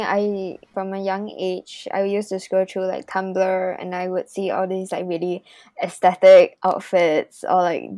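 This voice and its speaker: A woman's voice: medium pitch, warm tone, dry recording. A young woman, hosting a student podcast in an informal, conversational way. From Singapore. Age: young adult. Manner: informal, peppers speech with "like". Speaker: podcast host.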